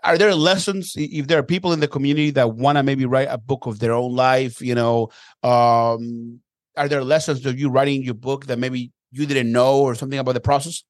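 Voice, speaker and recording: A man hosting an interview show, energetic and upbeat, often repeating his first words as he starts a question. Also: mid-range voice, a little fast, dry recording, clean studio sound. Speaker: podcast host.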